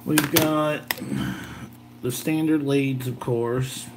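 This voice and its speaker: Slow, rambling American guy, a little tired. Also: medium pitch, fairly even intonation, background noise. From southern Illinois, United States. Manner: rambling, folksy, jokey. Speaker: gadget video host. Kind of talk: rambling casual vlog.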